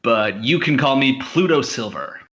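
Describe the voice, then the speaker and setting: A man playing an earnest, pompous space hero stranded on Earth in an audio comedy drama, speaking gravely and formally. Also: medium pitch, animated, normal speed, a bit bright, muffled recording, close to an everyday voice. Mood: urgent, self-important.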